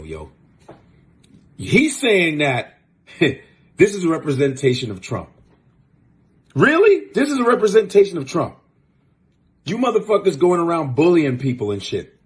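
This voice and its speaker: A man hosting a show, giving blunt, profane, fired-up commentary in casual talk. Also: medium pitch. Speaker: host.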